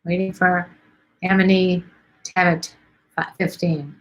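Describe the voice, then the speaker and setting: A woman's voice: fairly low pitch, flat delivery, slow pace, lo-fi sound. A middle-aged woman from Chicago hosts a live stream, chatting casually and rambling with lots of ums as she reads viewer comments. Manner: chatty, rambling, many ums and let's sees.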